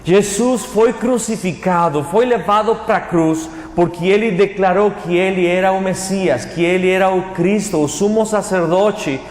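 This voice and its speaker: High-voiced pastor preaching in an echoey hall. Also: male voice, unhurried, few pauses, darkish tone, soft background music. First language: Spanish. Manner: didactic, repeats phrases and asks the listeners questions. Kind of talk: Bible teaching sermon with call-and-response questions. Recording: echoey hall with long reverb, faint noise.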